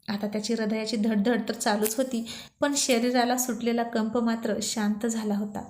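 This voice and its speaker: A woman storyteller reading a serialized romance aloud with steady, expressive narration. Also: fairly high pitch, moderate pace, slight background noise.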